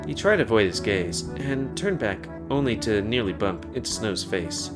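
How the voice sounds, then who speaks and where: A man's voice: lowish voice, big pitch swings, normal speed. A man casually reading a game's text aloud and adding joking asides. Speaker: gamer. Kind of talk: let's play, reading game text aloud. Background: game music.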